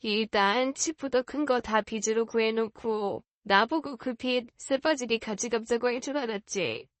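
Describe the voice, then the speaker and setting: Woman reading young fiancé, quiet man, earnest, teasing, dry sound. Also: fairly high pitch, a little slow, dry recording, lightly acted.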